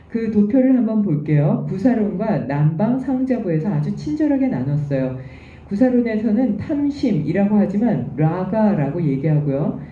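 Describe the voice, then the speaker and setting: A woman's voice: mid-range voice, big pitch swings, measured pace, dark tone. A woman giving a recorded university lecture, explaining terms patiently and step by step. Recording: echoey, distant, dull room recording.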